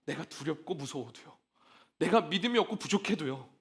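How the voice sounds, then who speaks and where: A man's voice: fairly high pitch, lively intonation, brisk. A man in his thirties preaching at a church prayer meeting, impassioned and throwing rhetorical questions at the congregation. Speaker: pastor. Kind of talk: sermon.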